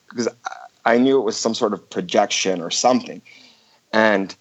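A male caller on a call-in show, recounting a story with many restarts and fillers. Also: fairly low pitch. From Michigan, USA. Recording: dull phone-line call.

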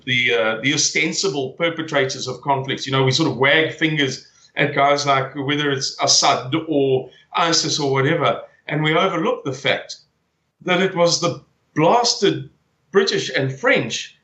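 Bright-voiced man in his forties, echoey room. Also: a little high. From South Africa. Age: 40s. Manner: hesitant, repeats words while searching for them. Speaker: guest. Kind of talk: conversational interview.

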